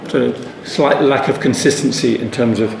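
A man's voice: medium pitch, fairly even intonation, normal speed, creaky. Man, Bible study teacher, thoughtful and meandering, mid-range voice, roomy echo. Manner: rambling, thoughtful, frequent restarts and asides. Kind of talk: unscripted Bible study talk. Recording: echoey room with faint ambient noise.

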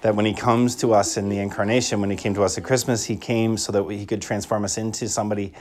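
A man's voice: lowish voice, level tone, quick pace, slight background noise. This is a man in the role of a Catholic priest, delivering liturgical reading and preaching. His manner is reflective. He often repeats a phrase to give it emphasis. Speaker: Catholic priest giving a homily. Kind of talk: liturgical Gospel reading and homily.

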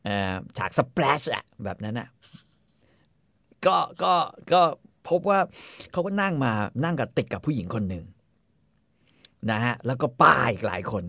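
A man's voice: mid-range voice, sing-song, unhurried, bright, forceful tone, no room sound, clean studio sound. A man casually retelling a story in a podcast chat, crude and full of fillers and repeats. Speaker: storyteller host.

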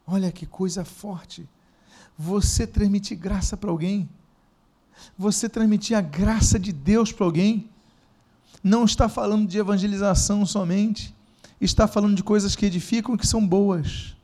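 A man preaching a sermon in lively style, asking the congregation questions and slowing down for emphasis. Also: high-pitched. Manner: animated, with loud bursts and slowed emphasis.

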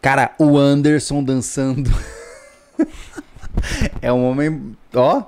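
A man's voice: medium pitch, big pitch swings, slow pace, darkish tone, a little hiss or hum. A man with a Brazilian accent, joking and slangy in casual live stream banter as a host.

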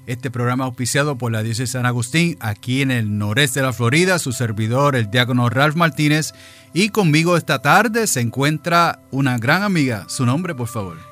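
A man's voice: medium pitch, lively intonation, moderate pace, fairly bright tone, faint music behind. A man from New York with Puerto Rican parents, hosting a Catholic radio program in a folksy, chatty way with many filler sounds. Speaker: radio program host, deacon. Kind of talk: casual radio talk and Bible reading.

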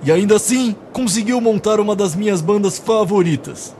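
A man's voice: high voice, normal speed, darkish tone, a little hiss or hum, lightly acted. A man playing a nervous, rambling, exasperated Santa Claus in a comedic radio play. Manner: theatrical, long-winded, exasperated. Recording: music behind the voice.

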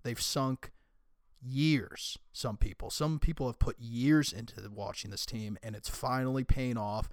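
Raspy, hoarse man hosting a podcast. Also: medium pitch, unhurried, no echo, studio quality. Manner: opinionated, conversational, emphatic. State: hoarse from screaming and illness. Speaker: podcast host. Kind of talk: casual solo podcast monologue.

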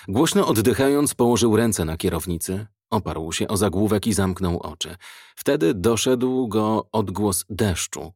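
Husky male audiobook narrator, dramatic. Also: on the low side, darkish tone, dry recording, clean studio sound. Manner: measured, dramatic storytelling.

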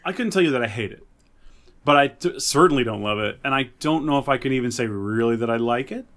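Medium-pitched man in casual, hedging chat. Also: lively intonation, fast talker, a bit bright. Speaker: podcast co-host. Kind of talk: casual chat reviewing superhero TV.

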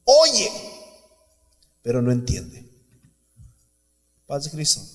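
Pastor preaching, highish gravelly voice, lots of hall echo. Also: male voice, normal speed. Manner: fervent, conversational, says "brother" often. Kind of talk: sermon.

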